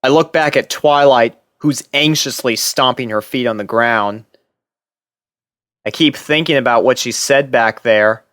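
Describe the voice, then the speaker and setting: A man reading fan fiction as a first-person narrator, expressive and theatrical. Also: medium pitch, no room sound, studio quality.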